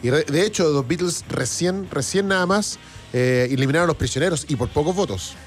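A man's voice: fairly high pitch, brisk. A Chilean man co-hosting a live music stream, chatting casually and reading viewer comments aloud. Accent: Chilean Spanish.

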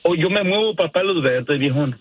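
Male caller from Jalisco, husky and hoarse, friendly, over a dull phone line. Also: fairly high pitch, animated, normal speed, no room sound. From Jalisco, Mexico. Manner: easygoing, friendly, laughing. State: a bit hoarse. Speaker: radio caller.

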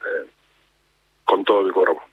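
A man with an Argentine accent, a national hockey coach, speaking calmly and reflectively in a radio phone interview, with many restarts. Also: deep voice, measured pace. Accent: Argentine Spanish. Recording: tinny phone line with faint noise.

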